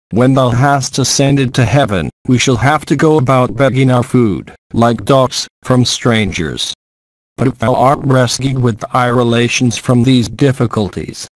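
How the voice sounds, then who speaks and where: Young devoted daughter pleading, man reading, earnest archaic speech, audiobook, mid pitch, dry sound. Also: dry recording, close to an everyday voice, rough recording.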